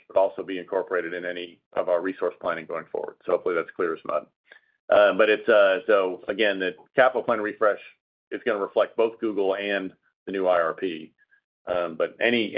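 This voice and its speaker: A man speaking as a company executive on an earnings call, explaining answers in a measured, businesslike way. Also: lowish voice. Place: conference call. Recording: narrow phone-line conference call audio.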